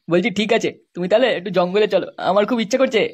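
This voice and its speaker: A man voicing a crude, jealous, eager lover and schemer in a comedy cartoon, with a husky processed voice. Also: high-pitched, brisk.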